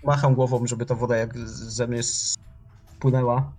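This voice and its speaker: A man at a middle pitch plays a tabletop role-playing game. He speaks bluntly and gruffly, swearing as he describes what his character does. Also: flat delivery, unhurried, a little mellow. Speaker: player. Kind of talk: casual in-character play.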